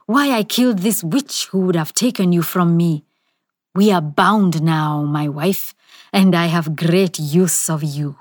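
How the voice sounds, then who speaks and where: A woman voicing an ancient, nameless male spirit, slow and menacing, in an audio story. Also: fairly low pitch, dry recording, clean studio sound. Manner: whispering, roaring, menacing.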